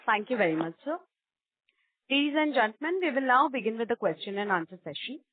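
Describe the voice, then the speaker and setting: Higher-voiced woman on a phone line. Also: animated, brisk, background noise. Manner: polite, formal. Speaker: conference call moderator. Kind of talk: formal scripted call instructions. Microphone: telephone conference line. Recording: dry, narrow phone-line audio.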